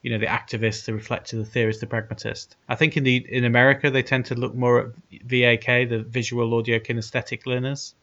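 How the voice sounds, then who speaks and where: A man hosting a casual podcast chat, heard through a cheap plug-in telephone-type microphone with low audio quality. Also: little pitch movement, quick pace, few pauses, a bit bright. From United Kingdom. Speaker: podcast host. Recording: dull lo-fi cheap mic.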